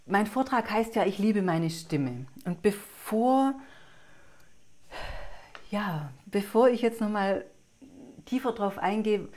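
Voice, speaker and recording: A woman's voice: on the low side, darkish tone. A woman psychologist and hypnotherapist giving an earnest talk, often asking herself questions and restarting her sentences. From rural Alpine region. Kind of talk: spoken talk to an audience.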